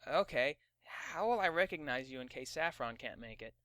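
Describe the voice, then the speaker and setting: A man's voice: medium pitch, expressive, moderate pace, fairly bright tone, dry recording, lightly acted. A man playing an earnest, mild sixteen-year-old boy in a fantasy comedy audio drama. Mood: sheepish.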